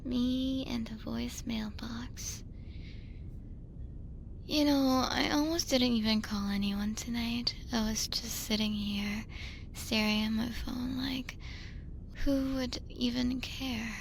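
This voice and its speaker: A woman's voice: fairly high pitch, fairly even intonation, takes it slowly, creaky, a little hiss or hum. A woman playing a drunk, lonely young woman in an ASMR roleplay, rambling and giggling her way through a late-night voicemail with tipsy hesitations. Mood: wistful, rambling.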